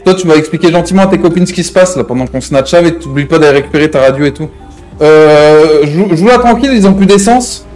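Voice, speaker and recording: A man's voice: on the high side, fast, darkish tone, faint music behind, close to an everyday voice. A man playing a hot-headed, menacing gang member in an improvised online crime roleplay, talking in slang with repeated verbal tics. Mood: agitated, bossy.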